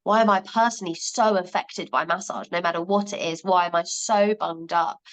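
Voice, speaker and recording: A woman's voice: fairly low pitch, brisk, poor audio. A woman podcast host chatting casually about her own experiences with massage. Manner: chatty, personal anecdotes.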